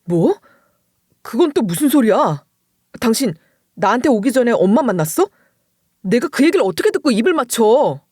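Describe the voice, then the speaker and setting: A woman voicing an exasperated young husband, normally quiet and reserved, who pleads and then shouts in frustration as she dramatizes a story reading. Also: on the high side, very animated, normal speed, pauses often, dry recording, studio quality. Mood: baffled.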